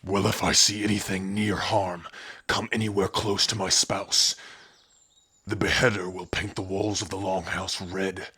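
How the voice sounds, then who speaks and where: Man voicing a husky, gruff orc warrior. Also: deep voice, flat delivery, a little slow, bright, forceful tone, dry recording, exaggerated voice. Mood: menacing, defiant. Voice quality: raspy, husky. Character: gruff, protective young male orc warrior, devoted to spouse. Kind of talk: ASMR roleplay acting.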